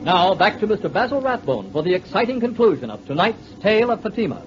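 A male 1940s radio announcer with a high, animated voice. He speaks quickly. Loud music plays behind him on a muffled old recording.

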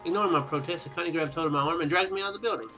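Talking very fast in a fairly high, bright, forceful voice, a young let's play host reads game narration aloud and comments on it. Game music plays behind him during the casual playthrough, and he sometimes stumbles and rereads words.

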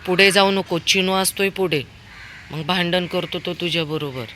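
A woman with a hoarse voice, her throat worn by a cold, talks casually as she walks her dog outside. She keeps calling it back and scolding it fondly in a sharp, bright tone. Crows and traffic sound faintly around her. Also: fairly low pitch, fairly even intonation, normal speed. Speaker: dog owner vlogger. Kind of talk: casual talk while walking a dog. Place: outdoors in a housing society.

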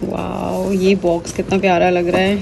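A woman's voice: fairly low pitch, flat delivery, moderate pace, gravelly, over music. A young adult woman vlogging casually at home, chatting directly to her viewers. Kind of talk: casual family vlog chat.

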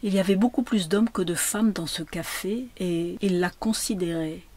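A woman reading literary prose aloud, with slow, measured, hushed narration. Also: lowish voice. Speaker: reader.

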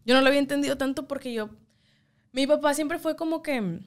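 A woman's voice: sits high, brisk. A young woman from Mexico, chatting as an interview guest and telling stories with slang and frequent laughter. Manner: animated storytelling, laughs often, slangy. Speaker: guest singer. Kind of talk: casual interview chat.

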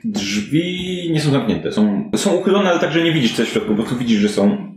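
A man's voice: medium pitch, very animated, moderate pace, slight background noise. A man improvising descriptive narration as game master of a fantasy detective tabletop game. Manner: improvised, descriptive storytelling with hedging. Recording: roomy echo, faint music behind. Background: faint background music.

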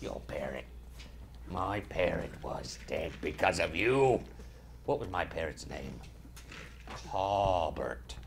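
A man voicing a boastful, salty male pirate in a gruff, theatrical comic voice. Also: deep voice, lively intonation, slow, pauses often, a little hiss or hum, voice pushed down, exaggerated voice. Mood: indignant. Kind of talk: comic improvised character voice.

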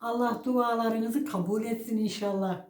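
A woman's voice: a little high, fairly even intonation, unhurried. An older woman with toothless articulation gives a homely cooking demonstration, folksy and given to blessings, addressing viewers as friends. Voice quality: toothless, soft-edged articulation. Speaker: home cook presenting a recipe. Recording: roomy echo, faint background noise.

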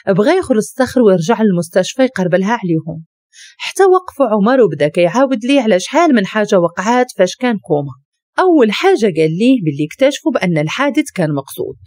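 A woman with a Moroccan Arabic accent narrates a dramatic story at a quick clip. Her voice is mellow and warm, and her pitch moves a lot as she reads. The recording is dry and close. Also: dry recording. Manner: brisk, expressive reading.

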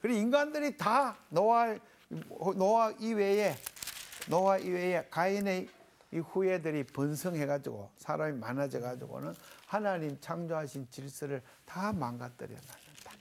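A middle-aged pastor teaches scripture to a small panel. His pitch swings widely as he works through his points. He explains old Hebrew words with homely everyday examples. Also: vocal fry, a little hiss or hum. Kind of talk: televised Bible lecture with a panel.

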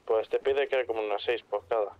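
A man's voice: lowish voice, steady tone, a little fast. A man chatting casually as he plays an online roleplay game with others. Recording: dull lo-fi game voice chat.

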